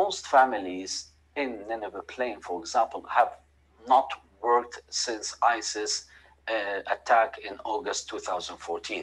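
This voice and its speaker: Over light background noise, the speech moves at a very slow pace with ordinary pitch variation and big swings in loudness. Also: man, medium pitch for a man. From Iraq. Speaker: archbishop. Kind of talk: prepared speech. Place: studio. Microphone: lapel.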